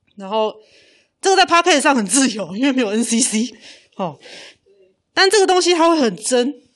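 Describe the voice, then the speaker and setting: The speaker has a Taiwanese accent and talks at a fairly quick pace. Long, frequent pauses break up the speech. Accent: Taiwanese Mandarin. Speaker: podcaster. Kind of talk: live talk to an audience. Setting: stage with audience in an open meeting room. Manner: earnest, sincere-sounding.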